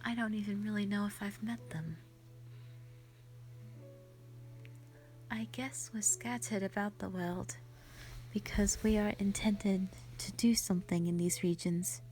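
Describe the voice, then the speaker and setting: A woman voicing a gentle, lonely female white dragon in a roleplay audio drama, speaking softly and breathily in a sweet, formal, hesitant way. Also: mid-range voice, steady tone, moderate pace, faint music behind, natural voice, poor audio. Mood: pensive, uneasy. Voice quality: soft, breathy, often whispery.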